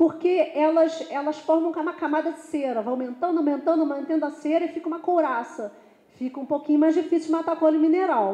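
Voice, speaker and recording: A woman's voice sits at an extremely high pitch, moving at a fairly quick pace. Noticeable background noise runs underneath. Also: ordinary pitch variation. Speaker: agronomist giving a technical talk. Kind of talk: lecture. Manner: fast.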